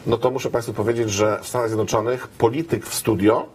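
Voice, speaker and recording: A man's voice: mid-range voice, fairly even intonation, fast talker, a little mellow, husky. A man in his fifties, a guest expert in a TV studio interview, speaking with frequent hesitant fillers and a wry tone, on a lapel mic. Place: TV news studio.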